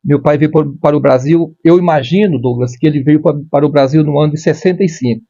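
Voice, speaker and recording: A slightly high, gravelly, warm voice belongs to this retired military police major from Brazil, in his fifties. As an interview guest he speaks formally and in a measured way, restarting often. No echo, but the recording is muffled.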